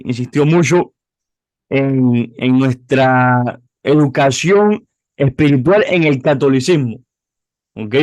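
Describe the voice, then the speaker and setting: A man's voice: mid-range voice, no echo. Young Cuban man with a dry close sound. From Cuba. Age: 20s. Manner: rambling, frequent restarts and repeated words. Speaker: youth pastor. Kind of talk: personal testimony interview.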